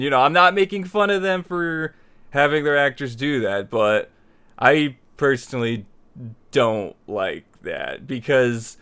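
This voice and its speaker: A man's voice: mid-range voice, a bit bright, smooth. A man hosting a tutorial, explaining his opinions in a conversational, rambling way and repeating himself for emphasis. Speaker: tutorial series host. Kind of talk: informal spoken lesson, opinionated explanation.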